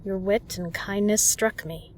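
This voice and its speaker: A woman's voice: medium pitch, steady tone, a little slow, slight background noise, lightly acted. A woman playing a kind, protective, flirtatious bar regular in an audio roleplay, speaking earnestly and reassuringly to the listener. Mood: tender, sincere.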